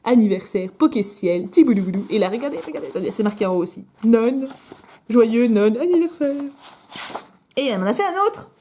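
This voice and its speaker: A young woman chatting excitedly as she opens fan mail at home, with many fillers. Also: mid-range voice, quick pace, few pauses, a little hiss or hum. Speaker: vlogger opening fan mail. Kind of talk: casual unboxing chat.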